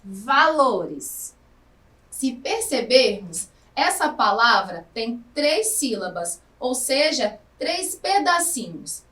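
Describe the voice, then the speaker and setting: A woman teacher with a Brazilian Portuguese accent giving a recorded lesson to adult students, speaking slowly and drawing out her words. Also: on the high side, big pitch swings, pushed and bright, distant mic. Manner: slow, careful, drawn-out words. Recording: echoey room, somewhat off-mic.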